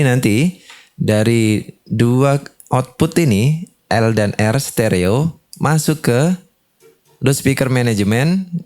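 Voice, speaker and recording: Speaking in a mid-range, darkish voice, a man walks through a tutorial one step at a time, explaining each stage and often tacking on brief confirming tags.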